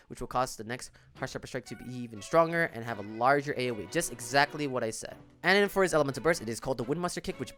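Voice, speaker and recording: A man's voice: medium pitch, a bit bright. A man giving casual, informal commentary on a video game as a content creator, often stressing his words. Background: background music.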